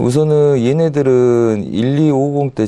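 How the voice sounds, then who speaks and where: A man speaks in a dark, mellow tone. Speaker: futures trading analyst. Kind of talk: market analysis on TV. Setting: TV studio. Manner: fast.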